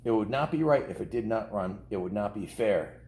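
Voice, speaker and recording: Reading a children's book to kids, a fifty-something American storyteller speaks a little fast in a fairly low, slightly mellow voice with lively intonation. He's folksy and informal, tossing in asides and often repeating and correcting himself, in a roomy, echoey recording with faint background noise.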